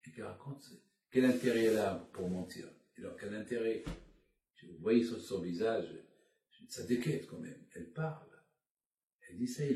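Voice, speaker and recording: Un homme d'âge mûr, rabbin fatigué, prêche par appel vidéo avec des hésitations et des répétitions ferventes, le son lointain et résonnant. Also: male voice, fairly low pitch, mellow. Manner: halting, repetitive, heartfelt preaching. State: tired. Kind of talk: sermon over a video call. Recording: echoey, distant video call audio.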